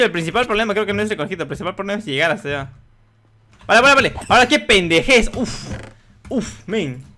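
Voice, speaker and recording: Excitable gamer man yelling at the game. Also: on the high side, slight background noise. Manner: excitable, swears a lot, yells at the game. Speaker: gaming youtuber. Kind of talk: live gameplay commentary.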